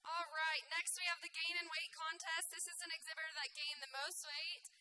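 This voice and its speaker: Very high, piercing woman announcer. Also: little pitch movement, fairly quick, bright, forceful tone, no echo. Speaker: event announcer. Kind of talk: award announcements to an audience. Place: indoor livestock show arena. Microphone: event microphone.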